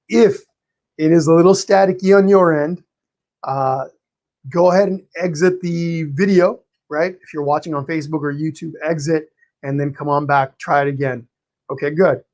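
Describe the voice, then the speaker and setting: A man hosting a live painting stream, greeting viewers by name in a friendly, chatty way, his voice a little hoarse and tired, clearing his throat now and then. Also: a little high, moderate pace, a little mellow. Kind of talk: live-stream chat and teaching.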